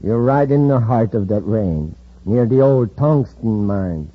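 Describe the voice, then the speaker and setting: Scheming gang boss, husky, calm menace, old radio play, muffled vintage sound. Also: male voice, lowish voice, a little slow. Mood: taunting. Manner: smooth, cool menace. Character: scheming male villain gang leader, cold and calculating. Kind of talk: 1950s radio drama acting. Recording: dull old radio broadcast recording.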